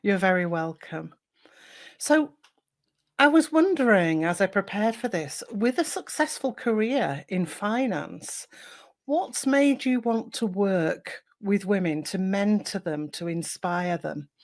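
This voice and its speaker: A woman's voice: medium pitch, expressive, slow pace. A woman hosting an interview podcast, reading an introduction and asking encouraging questions. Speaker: podcast host.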